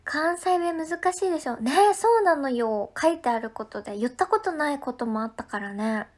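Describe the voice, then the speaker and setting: A high-pitched woman from Ehime with a local lilt, talking casually on a livestream as she reads viewer comments aloud. Her tone is friendly and chatty, and she often slips into soft, breathy half-whispers. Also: animated, a little fast. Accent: Ehime Japanese. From Ehime, Japan.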